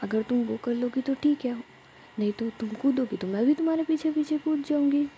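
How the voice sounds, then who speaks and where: A woman's voice: high-pitched, normal speed, muffled recording, a little hiss or hum, voice pushed up, close to an everyday voice. A woman voicing a teasing, stubborn, lovesick young woman who talks in a playful, coaxing way.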